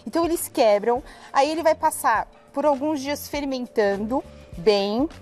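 A woman's voice: high-pitched, unhurried, darkish tone, soft background music. A woman in her thirties enthusiastically explaining cocoa products on a live TV cooking segment, recorded on a lapel mic in a studio. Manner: enthusiastic explaining, addresses viewers as "gente". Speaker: cooking guest presenting cocoa recipes. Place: TV studio set with kitchen table.

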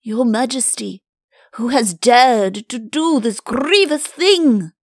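A woman's voice: on the high side, lively intonation, slow pace, no room sound, clean studio sound, pitched above the performer's own voice, full character voice. A woman voicing a timid, deferential, easily shocked royal chancellor in a storybook. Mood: aghast, flustered. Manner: obsequious, fretful.

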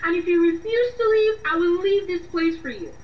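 A woman's voice: extremely high pitch, animated, normal speed. An actress playing a weary, exasperated young woman in a radio drama, with an emotional, reproachful delivery. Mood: angry, fed up. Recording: dull, noisy, echoey, distant mic.

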